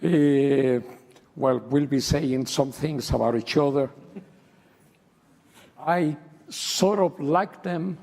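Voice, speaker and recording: A man, telling stories on a panel in a slow, joking way and laughing often. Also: medium pitch, vocal fry, warm tone. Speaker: panel speaker. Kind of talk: storytelling on a panel. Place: lecture hall. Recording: reverberant lecture hall.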